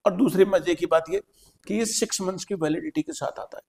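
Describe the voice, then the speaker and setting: A man with an Indian accent teaches and hosts, talking a listener through questions with patient, repeated emphasis. His voice sits somewhat high, and a long reverb hangs behind it. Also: brisk, creaky, darkish tone. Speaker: English teacher and host. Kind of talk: explaining in a podcast interview.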